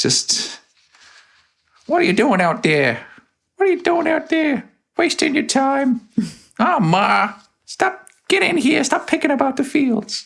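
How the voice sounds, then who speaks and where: A man's put-on character voice in a New York accent, extremely high-pitched, at a fairly slow pace with long, frequent pauses. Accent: New York wise guy. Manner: scolding, exasperated.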